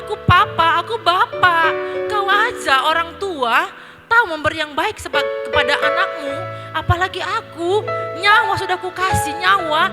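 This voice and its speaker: A woman's voice: very high voice, moderate pace, pitched above the performer's own voice. A woman voicing God as a tender, sorrowful father comforting his child, with an emphatic, pleading delivery. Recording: long church-hall reverb, loud music.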